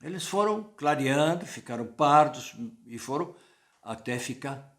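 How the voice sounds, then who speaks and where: A man's voice: on the high side, expressive, unhurried, fairly bright tone. An older man, a journalist, giving a reflective spoken commentary that quotes sources and asks rhetorical questions.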